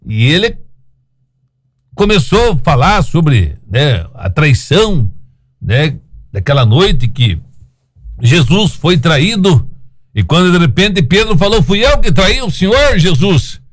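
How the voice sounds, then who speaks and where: A man hosting an informal radio-style show from his phone, telling jokes in an animated way, laughing often and acting out the characters. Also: a little high, slow. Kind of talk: joke telling and casual chat.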